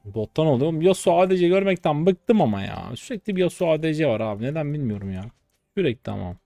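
A man in his twenties narrates his gameplay in a casual, excitable stream. His pitch swings widely as he jumps into high-pitched outbursts of trash talk. The voice sits close and dry on the mic. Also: fast talker, vocal fry, no echo. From Turkey. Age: 20s. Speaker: game streamer. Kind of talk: live gameplay commentary.

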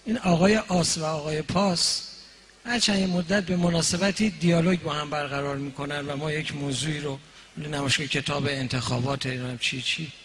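A man introducing his own satirical prose in a relaxed, soft-spoken way before reading it aloud. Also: on the high side, slight background noise. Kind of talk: live reading of comic prose.

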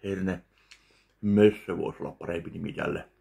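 A man in his thirties giving a slow, deadpan review of a meal while eating at home in his kitchen. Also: low voice, vocal fry. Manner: slow, deadpan, pauses between bites. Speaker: food vlogger. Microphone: webcam at close range.

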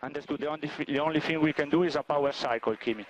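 A man's voice: fairly high pitch, very fast. A man working as a race engineer, giving repetitive, procedural instructions over team radio. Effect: team radio transmission. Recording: noisy team radio with vehicle sound.

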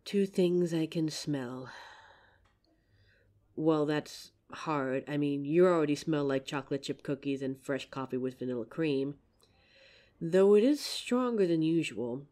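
A gentle young werewolf girlfriend, played by a woman, talking low and unhurried in a soft, breathy audio-drama voice. Her tone is mellow and dark, and she sounds tender with her partner. She lingers over each word. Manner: tender, slow, grounding exercise. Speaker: voice actor. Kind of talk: F4A audio roleplay.

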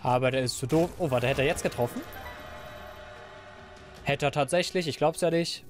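Chatty, slightly hoarse young man gaming. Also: on the high side, normal speed, faint music behind. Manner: chatty, rambling, self-mocking. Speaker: let's player. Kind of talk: casual gameplay commentary. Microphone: desk microphone.

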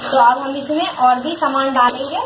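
High-voiced woman teaching a recipe in an echoey kitchen. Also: steady tone, moderate pace, background noise. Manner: patient, repeats instructions, directly addresses viewers. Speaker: home cook presenting a recipe. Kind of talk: step-by-step cooking demonstration. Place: home kitchen at the stove.

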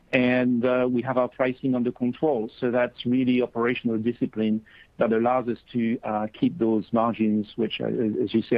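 A man's voice: mid-range voice, no echo. Man on a dull conference-call line. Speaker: company executive answering analysts. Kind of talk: earnings call answers.

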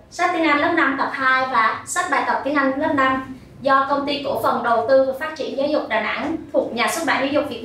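A woman with a Vietnamese accent teaching English vocabulary to primary pupils, modelling each word slowly and clearly for repetition. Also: high voice, bright, forceful tone. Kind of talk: recorded vocabulary lesson. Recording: very echoey room, voice from a distance.

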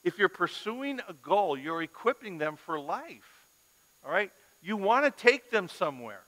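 A middle-aged male pastor giving a parenting lecture to a live audience, an animated storyteller who acts out scenes. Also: sits high, measured pace. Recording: long reverb of a large hall.

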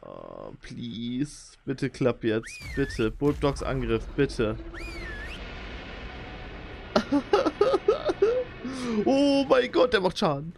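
Excitable young man commentating his gameplay. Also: slow pace, vocal fry, hardly any pauses, a little hiss or hum. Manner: excitable, talks to viewers, jumps into high squeals when excited. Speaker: let's play gamer.

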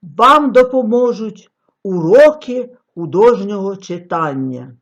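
A woman giving a scripted lecture on artistic reading, with expressive, declamatory delivery and long pauses. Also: mid-range voice. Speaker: reading teacher. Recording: dull lo-fi recording.

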